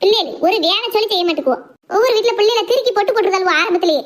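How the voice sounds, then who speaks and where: A woman voices a feisty, sharp-tongued village wife and mother from Tirunelveli in an amateur cartoon family drama. Speaking in a Tirunelveli Tamil accent and a piercingly high voice, she scolds and argues, rattling off rapid complaints in an exasperated mood.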